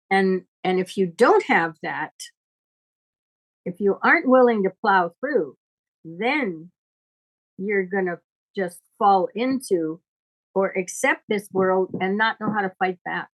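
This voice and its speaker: An older woman, an astrologer giving teachings, talks off the cuff like a teacher in conversation, blunt and probing. Her voice is mid-range, and the recording is rough.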